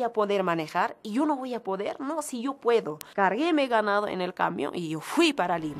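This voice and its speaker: Her pitch is fairly high and swings very widely. The woman keeps a moderate pace. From rural Puno, Peru. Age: 40s. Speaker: cattle farmer. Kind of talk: interview answer. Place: farm machine.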